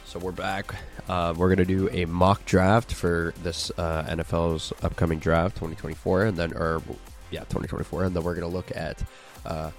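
A man's voice: deep voice, flat delivery, normal speed, few pauses, soft background music. A man hosting a casual sports chat, sounding stuffy as he gets over a sickness. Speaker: podcast host.

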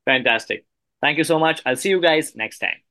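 A man's voice: fairly high pitch, moderate pace, sharp tone, no echo. A man hosting a conversational podcast interview in an enthusiastic, appreciative manner. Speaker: podcast host.

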